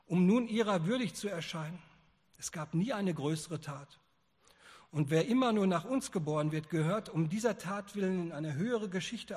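Guy reading as a wild-eyed madman firing off urgent questions, husky, voice getting loud and high, lots of hall echo. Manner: urgent, rising rhetorical questions. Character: frantic madman proclaiming God's death, male.

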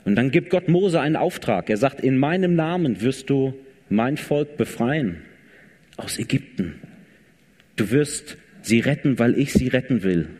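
A man preaches casually and conversationally, retelling scripture dramatically in an expressive, mid-range, slightly mellow voice at normal speed. A large hall's long reverb surrounds him, with the congregation in the background.

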